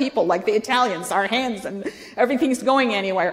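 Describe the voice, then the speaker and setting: The speech runs at a fairly quick pace, with noticeable background noise. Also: woman. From Egyptian family. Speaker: parenting class leader at church. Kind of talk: lecture. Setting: church class with audience. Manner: loud at times.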